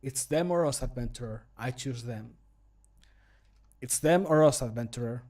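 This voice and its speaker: A man voicing a grave, stoic fantasy adventurer in measured, solemn game voice lines. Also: medium pitch, darkish tone, close to an everyday voice. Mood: resolute.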